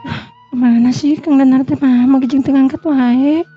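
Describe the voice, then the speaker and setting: A man voicing a coy, slightly petulant young married woman with a Sundanese accent and drawn-out delivery. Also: very high-pitched, steady tone, voice pushed up. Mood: fretful. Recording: muffled recording with music underneath.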